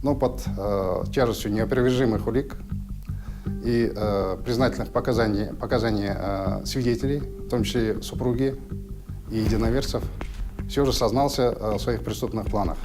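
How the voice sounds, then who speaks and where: A male official gives a formal interview account in a lowish voice. He talks haltingly in stiff bureaucratic phrases, with clear music playing behind him. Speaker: official interviewee on a criminal case.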